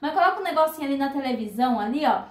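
A high-pitched Brazilian woman in her thirties chats to her crochet viewers, telling a personal story with lots of feeling. Her voice rings out in an echoey room. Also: lively intonation, racing. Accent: Brazilian Portuguese. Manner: chatty, emotional, addresses viewers as girls. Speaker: crochet channel host.

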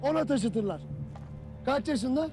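A furious army commander, played by a man in an amateur film-scene reenactment, lays into his soldiers with bitter, cutting lectures. He barks his orders with harsh force. His voice sits very high. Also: expressive, unhurried, over music, exaggerated voice. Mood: grim, sarcastic. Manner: harsh, bitter lecturing that swings into barked shouting.

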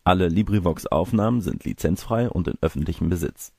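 A man's voice: deep voice, lively intonation, a little fast, gravelly, warm tone, dry recording, clean studio sound. A man narrating a fairy tale from a script as an audiobook reader.

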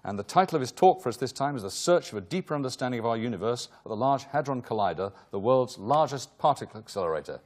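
A man's voice: mid-range voice, lively intonation, fast, hardly any pauses. A man welcoming an audience to a lecture in a hall, rambling a little with fillers and self-corrections. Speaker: host introducing a lecture. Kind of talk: formal welcome and housekeeping.

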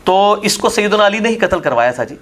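A man with a high-pitched voice and a Pakistani Urdu accent gives a polemical question-and-answer lecture. He argues forcefully and scornfully, piling up points to knock down a rival's claims. He speaks as a scholar answering questions at an academy. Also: big pitch swings, fast talker, a little hiss or hum. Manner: emphatic, scornful, argumentative.

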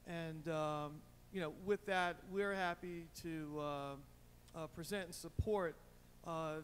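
A middle-aged man giving a conference presentation as an industry speaker, talking into a handheld microphone. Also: on the high side. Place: medium conference room, indoors. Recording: reverberant conference room, clear background noise.

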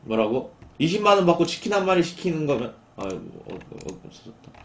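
A young man hosts a casual live stream and talks straight back to his viewers, his pitch rising and falling a lot as he answers them. His voice sits fairly high for a man. The room behind him adds a noticeable echo. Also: sing-song, fairly quick. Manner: talks back to chat, rising into exasperated outbursts.

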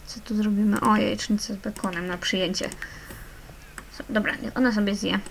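A woman's voice: medium pitch, steady tone, fairly quick, vocal fry. A young woman hosting a gaming channel, chatting casually over her play and fondly coaxing the little characters along. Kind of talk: casual let's-play commentary.

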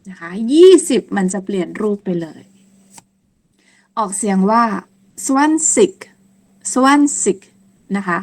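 A woman teaching a lesson on German numbers, speaking slowly and patiently and repeating each word several times. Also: on the high side, lively intonation, a little mellow. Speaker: language teacher.

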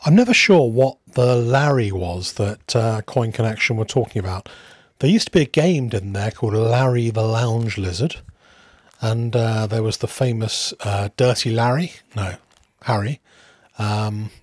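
A man's voice: fairly low pitch, measured pace, a little mellow, dry recording. Man musing casually, dry close sound. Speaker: host of a coin collecting channel. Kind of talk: casual unscripted video narration.

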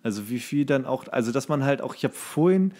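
A man's voice: mid-range voice, lively intonation, a little fast, a little mellow. A man co-hosting a casual podcast chat in a rambling, jokey way. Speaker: podcast co-host.

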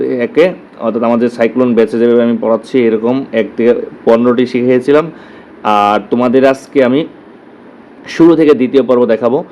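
A man with a Bangladeshi Bengali accent teaching an exam-prep lesson. He repeats each term slowly and checks in with "clear?". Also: mid-range voice, darkish tone, highs cut off, a little hiss or hum. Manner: drills terms, repeats words slowly, asks "clear?".

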